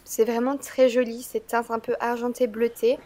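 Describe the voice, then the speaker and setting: Her voice slightly congested from a cold, a female beauty vlogger narrates a makeup tutorial at normal speed in a warm, fairly high voice with a level tone. The delivery is chatty and wandering, full of small pauses and "euh" fillers.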